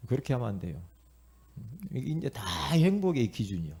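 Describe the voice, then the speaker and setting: A middle-aged male pastor from Korea preaches with a gravelly, husky, darkish voice. His delivery is lively and sweeps widely in pitch as he acts out the voices in his stories, and he keeps calling out to the congregation. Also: brisk. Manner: animated storytelling, acting out inner voices and quotes; repetitive, calls out to the congregation. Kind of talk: sermon.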